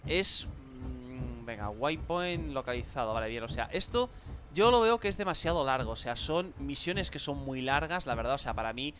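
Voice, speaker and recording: A man with a Spain Spanish accent giving casual gameplay commentary, rambling with fillers and bursting into loud exclamations. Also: medium pitch, animated, moderate pace, slight background noise. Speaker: gaming channel host. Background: game music.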